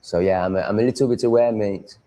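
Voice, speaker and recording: A man's voice: lowish voice, quick pace, dark tone. A man with a Yorkshire accent chatting casually as a livestream host, rambling in a blunt, crude, sweary way. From Yorkshire, England.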